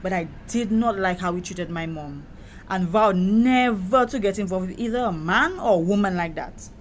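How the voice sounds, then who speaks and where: A woman's voice: mid-range voice, normal speed, natural voice. A woman with a Caribbean accent playing a proud, wounded young gay woman in a conversational audio drama, emphatic and indignant. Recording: noticeable background noise.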